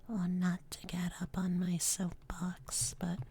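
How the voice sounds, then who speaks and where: A woman streamer whispering softly, rambling and chatting to her viewers. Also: lowish voice, monotone, slow pace, slight background noise. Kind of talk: whispered ASMR-style stream chat.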